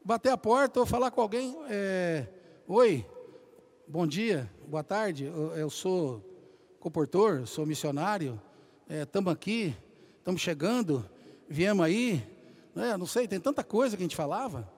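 A man preaching a sermon, telling lively stories and calling out to the congregation as brothers. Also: high voice, measured pace, a little hiss or hum. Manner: animated storytelling, addresses congregation as brothers.

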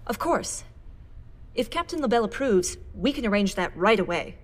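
Decisive female space fleet director, mid-pitched, brisk authority, audio drama. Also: big pitch swings. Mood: attentive. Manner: brisk, commanding. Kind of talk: science fiction audio drama acting.

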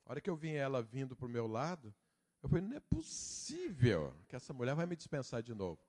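A middle-aged man preaching a sermon, telling a personal story and acting out the dialogue before building to loud preaching. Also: medium pitch, wildly swooping pitch, brisk. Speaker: pastor.

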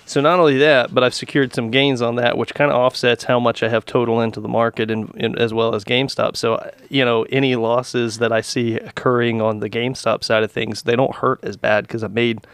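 A man's voice: mid-range voice, flat delivery, fairly quick, hardly any pauses, a bit bright, smooth, dry recording. A man co-hosting a casual podcast, talking in a middle-range voice. He rambles, restarting sentences and leaning on fillers as he thinks aloud. The sound is close and dry, with no room behind him. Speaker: podcast co-host. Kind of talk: casual chat about stocks.

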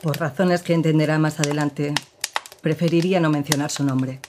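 An actress playing a woman who gravely recounts her partner's past in an audio drama, with measured, serious storytelling. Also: deep voice, fairly even intonation, background noise, lightly acted.

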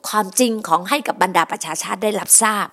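A woman's voice: medium pitch, fast talker, bright, forceful tone. A woman preaching a sermon on her podcast, emphatic and repetitive, often addressing her listeners as brothers and sisters.

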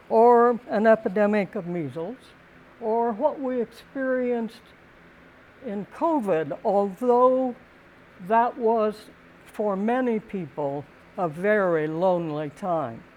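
An older woman giving a prepared talk in a calm, gentle, deliberate way, with thoughtful pauses between phrases. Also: mid-range voice, phone-quality sound. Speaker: speaker giving a talk on community and housing.

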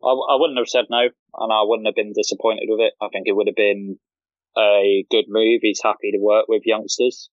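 A man from the UK speaks in a low, steady, rather flat voice, often repeating words as he gets going. His audio sounds dull and lo-fi, as if over a remote call, with a very dry sound. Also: normal speed, dry recording. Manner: hesitant, repeats words when starting. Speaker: podcast guest, fan account runner. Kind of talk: casual podcast chat.

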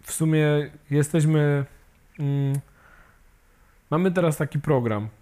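A man's voice: on the high side, warm tone. A man who is an amputee and peer support volunteer, talking casually in an interview and hesitating often as he searches for words. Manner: halting, many fillers and restarts, ends with tag questions.

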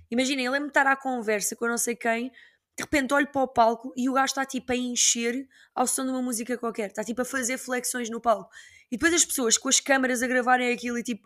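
A young woman from Portugal, talking alone on her podcast. Her voice sits a little high, and she tells stories in a loose, slangy, lively way, full of casual asides to her listeners. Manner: slangy, chatty, animated storytelling. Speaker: podcast host. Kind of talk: casual solo podcast chat.

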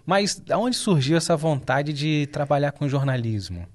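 A man hosting a podcast, asking friendly questions in a relaxed way with hesitant restarts. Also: a little high, normal speed. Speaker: podcast host. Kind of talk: casual interview chat.

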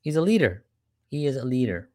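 A man's voice: medium pitch, big pitch swings, a little fast, warm tone, no room sound, clean studio sound. A man giving a casual talk on leadership, chatty and acting out short quoted examples. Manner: conversational, acts out quoted examples.

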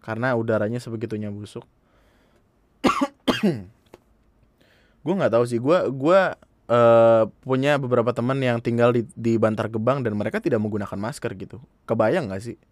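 A man's voice: mid-range voice, normal speed, long pauses, darkish tone, no echo. A young man, earnestly commenting in a casual monologue, speaking straight to his listeners. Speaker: podcast host.

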